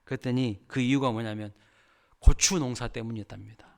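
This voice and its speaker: A male pastor preaches in storytelling mode, with a voice of ordinary middle pitch. He turns often to ask the congregation questions as he tells the tale. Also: fairly even intonation, brisk, gravelly. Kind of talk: sermon.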